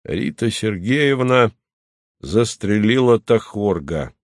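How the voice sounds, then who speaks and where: A man's voice: fairly low pitch, expressive, measured pace, gravelly, darkish tone, dry recording, full character voice. A man reading the part of a patient, matter-of-fact base commander with a dry irony, in an audiobook.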